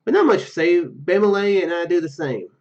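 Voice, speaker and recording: Casting: male gaming host, fairly high voice, reads story text with casual asides, slightly dull recording. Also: lively intonation, fairly quick, darkish tone. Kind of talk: reading game narration aloud with casual commentary.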